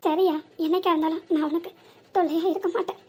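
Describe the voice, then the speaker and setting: A very high, piping voice gives us a tender older village mother, as a woman voices her in a cartoon comedy. She speaks with a southern Tamil Nadu accent and keeps pleading and blaming herself. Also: steady tone, fast, a little mellow. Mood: pleading, remorseful. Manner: pleading, self-reproaching.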